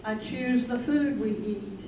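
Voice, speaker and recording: A woman's voice: fairly high pitch, slow pace, a loud crowd. A woman reading as an ensemble narrator in a scripted staged play reading. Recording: roomy distant stage mic, loud noise.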